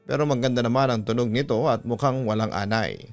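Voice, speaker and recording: A man's voice: medium pitch, fast talker. Male Filipino storytelling host, mid-range voice, scripted first-person horror narration over a music bed. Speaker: storytelling host reading listener letters. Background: background music.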